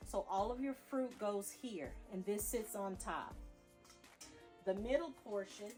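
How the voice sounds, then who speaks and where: A woman's voice: medium pitch, measured pace, darkish tone, soft background music. A woman vlogger speaking in a casual, folksy instructional way, addressing her viewers directly as she explains things step by step. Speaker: homesteading vlogger demonstrating home canning.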